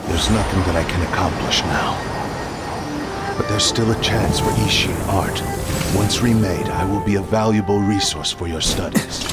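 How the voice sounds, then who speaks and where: A man plays a proud, worn-out spirit living in an ancient sword, his voice sitting very low. He speaks in slow, grave, solemn words in this game scene, and a game score plays loudly behind him. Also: over loud music, close to an everyday voice. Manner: grave, solemn farewell speech. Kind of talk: game voice acting.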